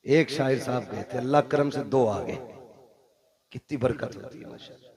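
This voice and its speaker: A man's voice: medium pitch, moderate pace, gravelly, poor audio. Man, preacher, sermon over a PA, storytelling, urges crowd responses, audible crowd. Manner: storytelling, coaxes the audience to call out responses. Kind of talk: religious sermon at a live gathering. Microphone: handheld or stand microphone on a public address system. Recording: live PA recording with crowd.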